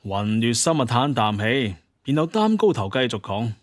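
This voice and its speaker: A man's voice: medium pitch, very animated, normal speed, dry recording, studio quality. A man narrates an audio drama as a storyteller. His voice sits in the middle range, and he with a dramatic delivery.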